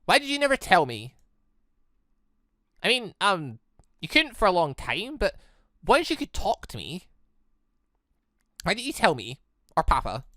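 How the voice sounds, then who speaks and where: A man voicing an earnest, anxious, tender-hearted young android girl in a visual novel, halting and emotional. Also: high-pitched, wildly swooping pitch, sharp tone, no room sound, clean studio sound, exaggerated voice. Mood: shocked, hurt.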